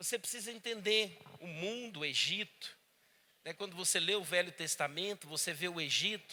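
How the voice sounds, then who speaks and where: Speaking in a Goiás accent at a moderate pace, a man has a high pitch, a bright, sharp tone and ordinary pitch variation. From Brazil, Goiás. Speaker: pastor. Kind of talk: sermon. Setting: church conference with audience.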